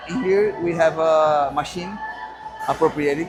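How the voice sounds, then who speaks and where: A man with a Brazilian accent, fairly high in pitch, at a very slow pace with music in the background. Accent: Brazilian, non-native English. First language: Portuguese. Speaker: bodybuilder. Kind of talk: casual chat. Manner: halting.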